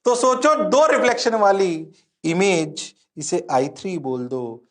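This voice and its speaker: A male physics teacher giving a lively exam-prep lecture, repeating questions to his students. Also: high voice, measured pace. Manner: animated, playful, repeats questions to the class.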